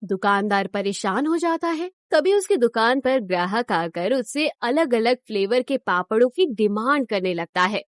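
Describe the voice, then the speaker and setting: A woman giving scripted narration for a cartoon moral story in an even storytelling manner. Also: a little high, moderate pace, hardly any pauses, no room sound.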